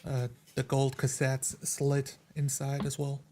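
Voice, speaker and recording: Man, mid-pitched, flat delivery, tabletop player, describing character actions. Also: slow, slight background noise. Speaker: player in a tabletop roleplay game.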